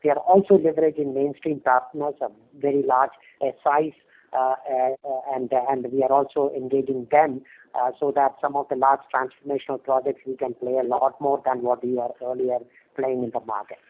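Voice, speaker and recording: A man speaks as a company executive on an investor call, at an average pitch. He explains in a hesitant way, often repeating words. The sound is a narrow, tinny conference phone line. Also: level tone, a little fast. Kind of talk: earnings call answers.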